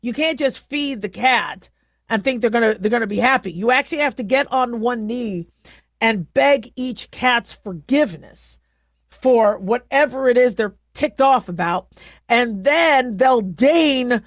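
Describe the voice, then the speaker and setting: Animated woman host telling a story. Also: normal speed, no room sound, clean studio sound. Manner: animated, acts out pets in high squeaky voices. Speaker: radio talk show host. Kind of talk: casual storytelling monologue.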